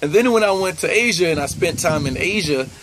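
A man's voice: on the high side, lively intonation, brisk, a bit bright, slight background noise, poor audio. A young man from the United States talking earnestly and conversationally to the camera in a personal vlog, recorded indoors close to the camera. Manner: earnest, conversational, with easy laughs. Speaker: vlogger. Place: indoors by a plain wall.

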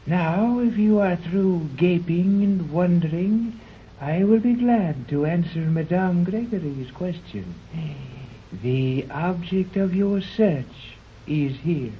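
A cold, superior master of a secret scientific island, talking down to strangers in a slow, measured way. His voice sits at a middling pitch. It comes through a dull, lo-fi 1930s radio recording with a faint hiss. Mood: haughty. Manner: slow, pompous and condescending. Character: haughty superior man of a hidden scientific colony. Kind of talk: 1930s radio drama acting.

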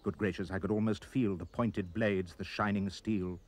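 A man reading a rhyming children's poem aloud as an expressive storyteller. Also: normal speed. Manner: expressive storyteller, swooping pitch. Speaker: reader.

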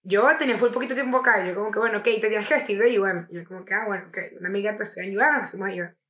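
A young Venezuelan woman co-hosting a podcast, telling stories in animated, slangy casual chat with plenty of swearing. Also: mid-range voice, rapid-fire, reverberant. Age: young adult. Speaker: podcast co-host.

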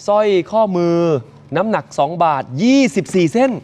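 A man presenting morning news, retelling events in a lively, chatty way and addressing viewers directly. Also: high-pitched, moderate pace.

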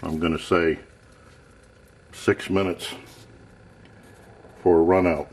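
A man's voice: sits low, little pitch movement, takes it slowly. A man casually narrating a camping stove test off camera in a cluttered home workshop, thinking aloud in a plain, matter-of-fact way. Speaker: gear tester.

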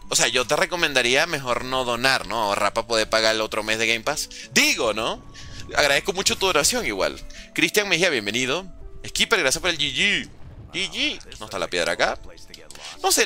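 A Venezuelan man streams games from a room at home with a window, chatting casually while he plays. His voice sits in the mid range with a sharp edge, and he reads the chat out loud and jokes with his viewers.

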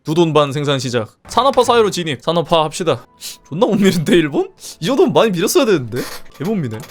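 Lively young man commenting on a game. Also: fairly high pitch, fast, soft background music. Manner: lively, swearing, exclaiming at the game. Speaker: streamer.

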